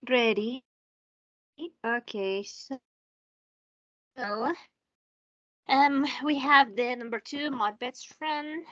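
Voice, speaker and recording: A woman's voice: fairly high pitch, extremely slow, pauses often, pushed and bright, no echo, muffled recording. A woman teaching an English lesson, patiently correcting and repeating her student's words.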